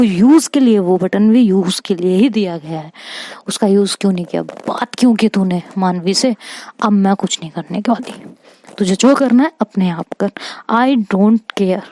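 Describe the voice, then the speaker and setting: A woman narrating a personal love story aloud, quoting her friends' lines in quick back-and-forth. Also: mid-range voice, dark tone, no echo. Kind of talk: first-person story told aloud, voicing friends' dialogue.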